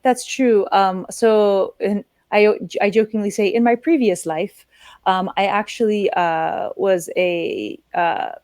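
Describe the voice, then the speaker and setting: A woman's voice: medium pitch, fairly even intonation, slow pace, a little mellow, dry recording, studio quality. A woman teaching ukulele chords and chatting casually, explaining things plainly and patiently. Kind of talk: casual music lesson and chat.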